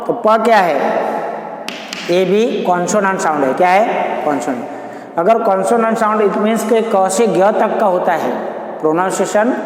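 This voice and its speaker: Slow, echoey male teacher. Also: sits high. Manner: mixes English and Hindi, repeats key terms, slow deliberate explaining. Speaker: school English teacher. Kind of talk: classroom grammar lesson. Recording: very echoey room with long reverb.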